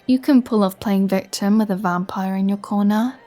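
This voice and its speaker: A woman's voice: medium pitch, moderate pace, dark tone, lightly acted. A woman playing a flirty, sardonic vampire in an ASMR roleplay, teasing and sarcastic with a playful threat. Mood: sardonic, scheming. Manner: teasing, sarcastic, conversational with sighs. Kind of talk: ASMR roleplay audio drama.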